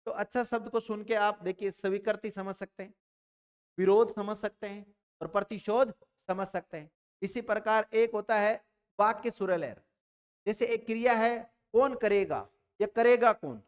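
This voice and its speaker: In a grammar lesson, a male teacher with a high-pitched, clear, resonant voice and a long reverb tail addresses his class directly. He keeps restating his own questions before supplying the answers.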